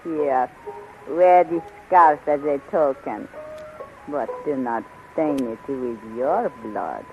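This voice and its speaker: A woman's voice: very deep voice, slow, creaky, soft background music, full character voice. A woman playing a haughty, seductive, cruel princess with imperious, languid delivery in a 1930s radio serial. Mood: coyly commanding. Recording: muffled 1930s radio recording.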